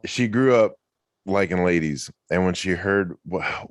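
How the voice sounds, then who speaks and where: A man's voice: low-pitched, a little slow, no echo, studio quality. A man hosting a casual comedy podcast, joking and then reading science news aloud, sometimes stumbling over hard words. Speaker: podcast host. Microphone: video call.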